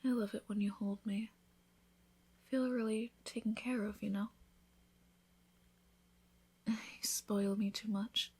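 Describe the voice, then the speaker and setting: A woman playing a devoted newlywed vampire wife in an intimate ASMR roleplay, speaking softly, often in a whisper, with an affectionate, reassuring manner. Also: mid-range voice, fairly even intonation, slow, long pauses. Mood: loving. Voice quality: soft, breathy, often whispered.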